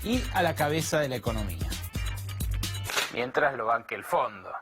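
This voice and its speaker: A narrator voices a satirical news segment with a lively, swooping pitch and a mocking, sing-song lilt. The delivery is ironic throughout, and music plays clearly underneath. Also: normal speed. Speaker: voice-over narrator.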